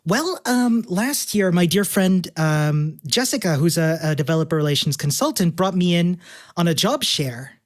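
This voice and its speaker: A man's voice: a little high, expressive, moderate pace. A man from Chile, a guest on a podcast, chatting in an upbeat way and laughing often. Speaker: guest, developer relations engineer. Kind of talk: casual interview chat.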